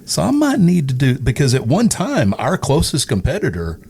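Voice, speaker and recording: A man's voice: medium pitch, huge pitch swings, normal speed, gravelly, a little mellow, slightly rough. A middle-aged man from East Texas chatting casually as an interview guest, repeating words as he thinks his way through memories. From East Texas, United States. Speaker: interview guest, radio personality. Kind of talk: casual chat, reminiscing. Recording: noticeable background noise.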